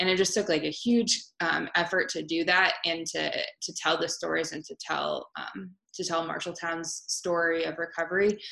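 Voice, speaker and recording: This woman has an unremarkable speaking voice with fairly low pitch. Her intonation is fairly even and her pace moderate. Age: 20s. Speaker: newspaper editor. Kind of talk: podcast interview.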